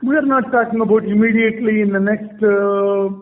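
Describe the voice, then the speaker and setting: A man with an Indian accent giving halting, measured answers as a company executive on an earnings call. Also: high-pitched, steady tone. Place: conference call. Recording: muffled conference line with long reverb.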